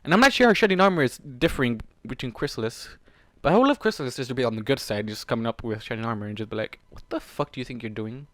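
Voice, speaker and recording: A man with a mid-pitched voice reacts to a story he is reading aloud. He is exasperated and swears freely, scolding the characters as if they could hear him. The sound is close and dry. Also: animated, very fast, no room sound. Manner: profane, exasperated, addresses characters directly. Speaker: fan fiction reader and reactor. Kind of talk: reading a story aloud with angry ranting commentary.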